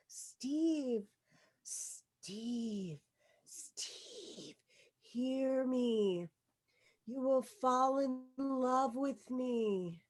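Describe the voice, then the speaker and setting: High voice, woman acting love-struck adolescent girl, unhurried, earnest, imploring, screenplay table read. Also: dark tone. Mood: intense willing. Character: love-struck, pleading awkward adolescent girl, desperate and intense. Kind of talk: virtual table read of a film script.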